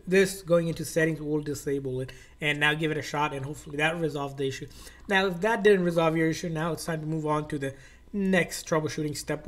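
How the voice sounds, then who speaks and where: Slightly high-pitched man giving tech instructions. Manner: instructional, informal, repetitive phrasing. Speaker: tech tutorial host. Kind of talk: step-by-step how-to narration.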